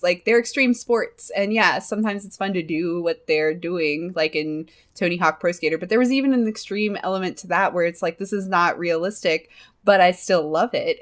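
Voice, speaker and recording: A woman co-hosting a podcast about games, talking enthusiastically and at length. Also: lowish voice. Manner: enthusiastic, rambling. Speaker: podcast co-host. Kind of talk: casual chat.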